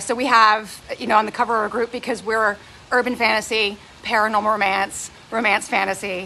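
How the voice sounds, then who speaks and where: A woman with a fairly high voice talks over noticeable background noise. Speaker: book group moderator. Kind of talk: casual live video chat. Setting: outdoors, live video. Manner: fast; animated.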